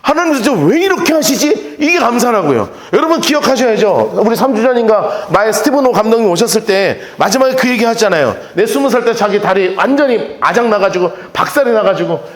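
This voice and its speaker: Male pastor, high lively voice, preaching in an echoey church hall. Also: fairly quick, hardly any pauses. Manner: emphatic, rhetorical questions to the congregation. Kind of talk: sermon. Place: church sanctuary.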